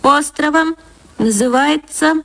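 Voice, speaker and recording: A woman's voice: high-pitched, slow pace, creaky, fairly bright tone, voice pushed up, heavily acted. A woman voicing a cheerful nine-year-old schoolboy who asks eager, chirpy questions in a radio play.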